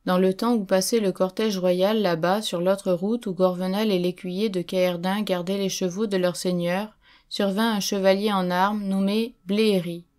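A woman reading an audiobook as narrator, in a measured, solemn storytelling manner. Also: medium pitch, fairly even intonation, darkish tone. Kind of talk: scripted narration.

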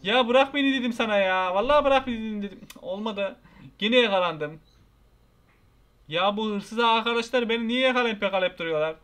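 A young man giving excitable, frustrated gameplay commentary, shouting at the characters on screen. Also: high voice, brisk. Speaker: gaming YouTuber.

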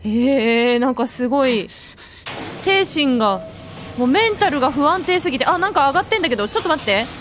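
A woman's voice: high-pitched, lively intonation, fairly quick, fairly bright tone, a little hiss or hum. A woman playing a horror game and commenting as she goes, jittery and jokey, who bursts into frightened shrieks. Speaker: let's play gamer. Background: faint game music.

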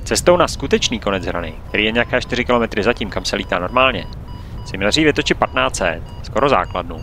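A man calmly narrating his own flight video in a steady, matter-of-fact voice-over. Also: lowish voice, a little hiss or hum. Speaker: paraglider pilot and vlogger.

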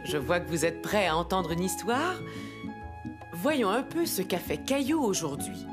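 A woman playing a kindly narrator who tells a story to young children, gentle and expressive, in a French cartoon. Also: on the low side, a little slow. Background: background music.

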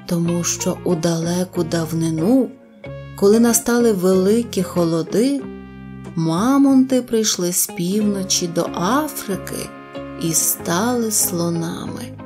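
A woman voicing a big, wise mother elephant in a storybook tale, speaking low, soft and soothing. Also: measured pace, music in the background, lightly acted. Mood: gentle.

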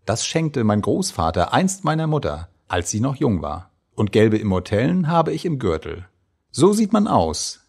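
A man giving a measured, expressive reading of old letters and diary entries. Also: on the low side, gravelly, husky. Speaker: reader.

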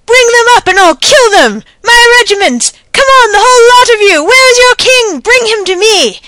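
A woman voicing a blustering young man who yells wild threats at full volume. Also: extremely high pitch, very animated, moderate pace, background noise, voice pushed up. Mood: furious. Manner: shouting, bellowing.

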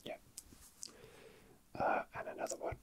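Whispering man, slow ASMR delivery. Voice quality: soft, breathy whisper. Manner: slow, hesitant, unhurried. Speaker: ASMR video creator. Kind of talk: whispered ASMR, casual chat with read-out facts.

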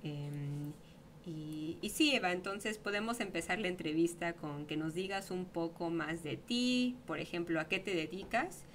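A young woman hosting a casual livestream interview over a headset at home, chatty and quick to laugh. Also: lowish voice, slight background noise. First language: Spanish. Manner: chatty, laughs often, many fillers like "¿no?". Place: small room at home.

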